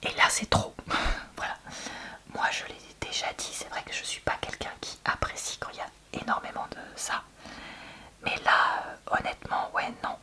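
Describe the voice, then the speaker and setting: A woman speaks in a breathy library whisper, almost entirely unvoiced and crisp on the edges. She chats candidly in an ASMR book-review style, with a hushed, conversational delivery. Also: moderate pace.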